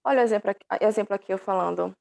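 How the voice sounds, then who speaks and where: A woman teacher leads an online lesson, her mid-pitched voice carrying a gravelly edge. She explains patiently, checks in with her pupils and calls them dear. It sounds like a laptop microphone. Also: rapid-fire, darkish tone. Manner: affectionate, calls students "dear". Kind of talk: online class lecture.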